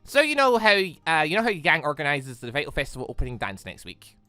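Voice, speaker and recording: A man voicing an earnest, patient young man in a visual novel, hesitant and gently coaxing. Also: fairly high pitch, huge pitch swings, fast talker, no room sound, faint music behind, exaggerated voice. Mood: hesitant, explaining. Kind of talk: visual novel character reading.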